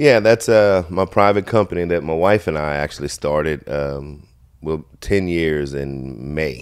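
The speaker has a South Louisiana accent, talking at a fairly slow pace with ordinary pitch variation. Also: man, very deep, low pitch for a man. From South Louisiana (Acadiana). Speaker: nurse and business owner. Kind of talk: interview. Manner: laid-back.

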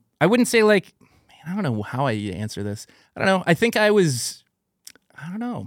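On a very clean recording with a silent background, a man with an American accent speaks with very wide pitch swings and big swings in loudness. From Wisconsin, Milwaukee suburbs (Brookfield). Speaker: social media coach and entrepreneur. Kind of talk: casual interview.

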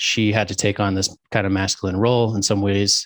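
A man with a plain, everyday voice, fairly low in pitch, with fairly even intonation and a fairly quick pace. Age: 20s. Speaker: relationship life coach. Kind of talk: casual interview.

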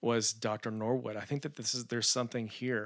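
Using an unremarkable speaking voice, a man with an American accent speaks at a fairly quick pace with medium pitch and fairly even intonation, in a very clean recording with a silent background. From Texas (Spring, near Houston). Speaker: pastor. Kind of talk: testimony.

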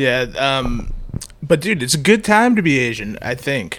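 A man speaks over noticeable background noise. His intonation is lively. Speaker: podcast host, comedian. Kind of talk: casual comedy banter. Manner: casual, joking.

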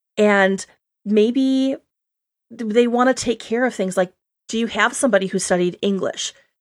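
A woman with an American accent at a moderate pace, fairly high in pitch, animated in tone with ordinary pitch variation and long, frequent pauses, in a dry, close sound with no echo and a very clean recording with a silent background. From Wisconsin, now Boston. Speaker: veterinary receptionist and chaplain. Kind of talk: interview conversation. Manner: animated, laughs often.

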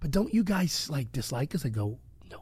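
Lively intonation carries a somewhat breathy voice of dark, mellow tone. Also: man. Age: 40s. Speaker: pastor. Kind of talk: interview.

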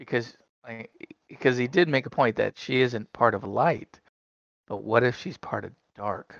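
The voice has vocal fry and a moderate pace, with a dry, close sound with no echo. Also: man. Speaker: guest, clan moderator.

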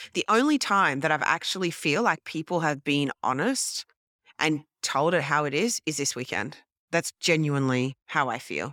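On a very clean recording with a silent background and a dry, close sound with no echo, a woman with an Australian accent and a very deep, low pitch talks at a moderate pace in a bright, sharp, animated and energetic tone with ordinary pitch variation. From Tahiti, then Australia. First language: French. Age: 30s. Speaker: wealth consultant and entrepreneur. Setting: face-to-face in an echoey hotel room. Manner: animated, energetic.

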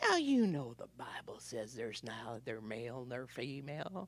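In a put-on character voice, the speaker talks at a moderate pace with a low-to-middle pitch. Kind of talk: preaching, solemn. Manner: long and slow.

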